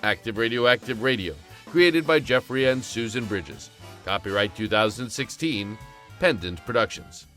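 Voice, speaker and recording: A man's voice: on the low side, expressive, moderate pace, a bit bright, soft background music. A man reading scripted credits as announcer for an audio drama.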